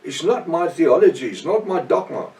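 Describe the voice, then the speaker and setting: A middle-aged man, a native Afrikaans speaker with a South African accent, preaches a Bible lesson off the cuff in short, halting, emphatic phrases with repetition. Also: fairly high pitch, lively intonation, darkish tone. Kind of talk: extemporaneous Bible teaching sermon. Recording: echoey room, distant microphone.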